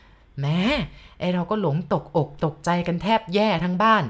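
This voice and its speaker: A laid-back old village grandfather from a folk tale who talks bluntly and offhandedly. A woman narrator voices him in a low register. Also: moderate pace, natural voice. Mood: offhand. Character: easygoing old village grandfather, laughs readily.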